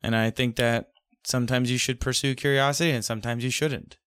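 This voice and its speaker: A man's voice: mid-range voice, fairly even intonation, brisk, fairly bright tone, clear, resonant tone, no echo, clean studio sound. Playful young man chatting on a podcast. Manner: playful, musing, laughs often. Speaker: podcast co-host. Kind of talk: casual chat.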